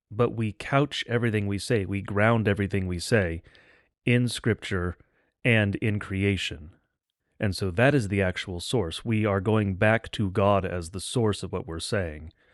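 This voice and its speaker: Speech unfolds at a fairly unhurried pace, its pitch varying in an ordinary way. It is an unremarkable speaking voice. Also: man, fairly low pitch for a man. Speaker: podcast co-host, Lutheran pastor. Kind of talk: theological discussion. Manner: formal.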